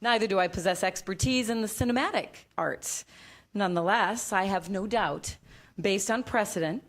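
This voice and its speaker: A woman's voice: medium pitch, moderate pace, close to an everyday voice. A woman playing a prim, pedantic scholar of Greek culture in a staged comedy reading, speaking formally and precisely. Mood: solemn, precise.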